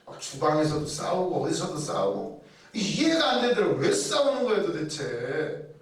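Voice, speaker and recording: A man's voice: fairly high pitch, wildly swooping pitch, normal speed. A man preaching a sermon in a chatty way, asking rhetorical questions and acting out people's inner thoughts. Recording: very echoey room, heard from a distance.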